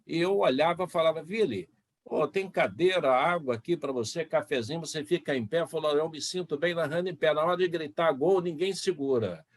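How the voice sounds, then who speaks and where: A man's voice: on the high side, brisk, dry recording, studio quality. A man who works as a sports radio announcer, telling anecdotes in a casual panel chat and acting out gestures as he talks. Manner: storytelling, acts out gestures.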